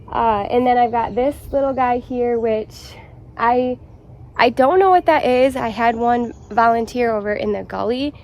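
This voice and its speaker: A woman vlogging in her garden, chatty and excited, a little out of breath as she rambles. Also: a little high, normal speed. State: slightly out of breath. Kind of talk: casual vlog chat. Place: outdoors in a shade garden.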